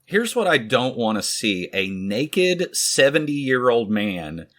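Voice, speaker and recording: A man's voice: mid-range voice, big pitch swings, slow, fairly bright tone. A man co-hosting a podcast, chatting casually about a film, joking, laughing often and trailing off into rambling asides. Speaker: podcast co-host. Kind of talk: casual film-review chat.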